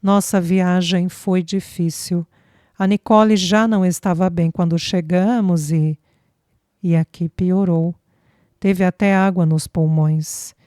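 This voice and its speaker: Woman doing a gruff old italian dad in an audiobook, blunt, slow, low-ish voice. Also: fairly even intonation, warm tone, no echo, clean studio sound. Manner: blunt, sprinkles Italian words. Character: older Italian immigrant father, stern but repentant.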